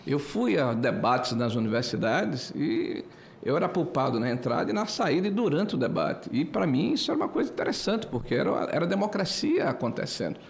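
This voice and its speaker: Homem de sessenta anos, voz rouca. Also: male voice, on the high side, very animated, gravelly, slight background noise. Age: 60s. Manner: hesitant, many filler pauses, builds to emphatic indignation. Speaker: senator. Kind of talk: committee floor speech. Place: senate committee room.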